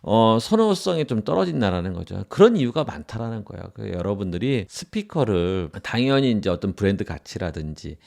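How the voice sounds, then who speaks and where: A man's voice: lowish voice, sing-song, fairly quick, gravelly, few pauses, darkish tone. A man giving an informal tutorial lecture as an audio instructor, explaining and often restating his points for emphasis.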